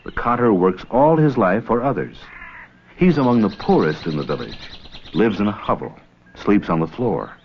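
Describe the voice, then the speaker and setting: A man's voice: fairly low pitch, big pitch swings, normal speed. A man reading scripted educational documentary narration on an old film soundtrack. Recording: muffled, faintly noisy old 16mm film soundtrack.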